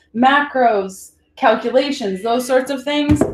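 At a fairly slow pace, a woman speaks with ordinary pitch variation and audible room echo. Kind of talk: casual live stream chat. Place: kitchen.

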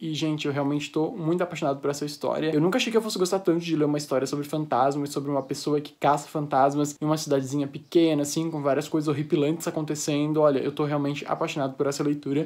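A man at a fairly high pitch, very fast pace and hardly any pauses, against a quiet background. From Brazil. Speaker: book youtuber. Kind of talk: casual vlog. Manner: animated. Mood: enthusiastic about the book. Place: home room. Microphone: phone near.

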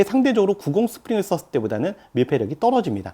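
At a very fast pace, a man talks high in pitch with a dark, mellow tone and very wide pitch swings. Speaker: airsoft shop owner and channel host. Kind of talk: tutorial. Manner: explanatory, conversational.

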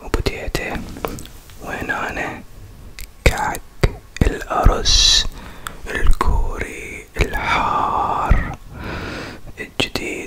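A man whispers at a very slow pace. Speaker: ASMR eating creator. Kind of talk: ASMR eating video with whispers. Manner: whispered. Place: home room. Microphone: studio mic.

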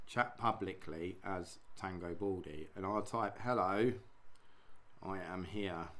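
A man with an English accent speaks at a very slow pace and very deep, low pitch. His intonation is fairly even, broken by long, frequent pauses. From England. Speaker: YouTube live streamer. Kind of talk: casual live-stream chat with viewers. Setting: home room streaming to camera. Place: home room. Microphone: studio mic.

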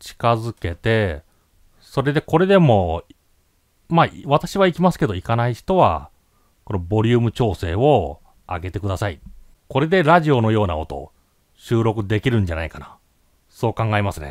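In a very clean recording with a silent background, a man at medium pitch speaks at a moderate pace, with very wide pitch swings, big swings in loudness and long, frequent pauses. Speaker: YouTuber reviewing a microphone. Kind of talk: product review tutorial. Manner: varies volume, raised voice to murmuring.

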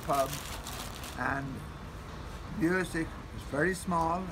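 A man speaks with an Irish accent. Noticeable background noise runs behind him. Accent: Irish brogue. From Dublin, Ireland. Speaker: storyteller met by chance. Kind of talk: casual interview answer. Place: cafe. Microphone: phone near.

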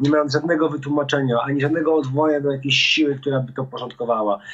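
This is a man speaking. His voice sits fairly high in pitch. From Poland, Wrocław; Poland. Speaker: researcher of political extremism; guest. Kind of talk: interview. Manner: halting, many fillers. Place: home room. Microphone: webcam.

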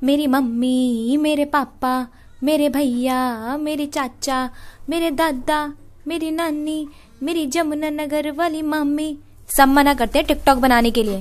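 A woman's high-pitched voice at a very slow pace, with fairly even intonation. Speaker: short video creator. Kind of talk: casual vlog chat. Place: home room. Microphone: phone near.

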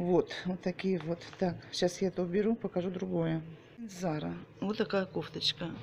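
A woman's fairly low, flat, monotone voice with vocal fry, at a moderate pace over light background noise. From Russia. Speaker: vlogger. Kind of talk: casual vlog talk. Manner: chatty. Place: home room. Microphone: phone near.

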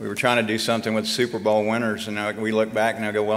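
A man talks at a very fast pace with a Texan accent. His pitch sits fairly low. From Texas. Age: 50s. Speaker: nonprofit executive director and former football player. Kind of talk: convention speech. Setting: stage with audience. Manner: folksy, conversational. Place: hall. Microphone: podium.

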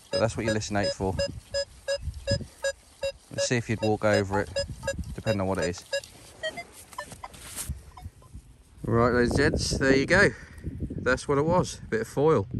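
A man speaks at a moderate pace with long, frequent pauses. Music plays in the background, and the sound is dry with no echo. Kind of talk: casual vlog chat. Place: open country. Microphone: phone near.

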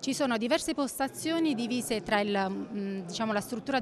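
A woman talks with lively intonation in a fairly high voice. Noticeable background noise sits behind her. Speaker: archaeologist. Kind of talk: interview. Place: hall. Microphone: handheld.

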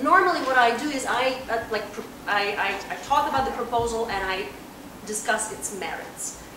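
A woman with a high pitch talks at a moderate pace, with noticeable background noise and audible room echo. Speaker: economics professor. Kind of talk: conference talk. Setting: stage with audience. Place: classroom. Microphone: podium.

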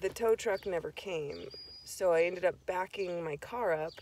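This woman's medium-pitched voice keeps a fairly even intonation, with a dry sound that has no echo and light noise in the background. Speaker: vlogger. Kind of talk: casual talk to camera. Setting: outdoors. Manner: slow, careful. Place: car. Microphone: phone near.

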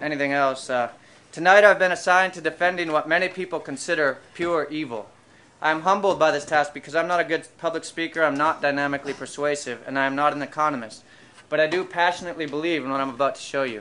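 Ordinary pitch variation marks a man's speech, delivered at a very fast pace. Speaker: presenter. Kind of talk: debate speech read from notes. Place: cafe.

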